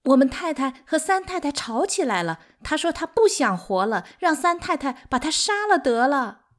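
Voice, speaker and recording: Woman acting a flustered, high-voiced gossipy maid. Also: lively intonation, normal speed. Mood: alarmed. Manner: urgent, tattling. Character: flustered, gossipy household maidservant. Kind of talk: audiobook character acting.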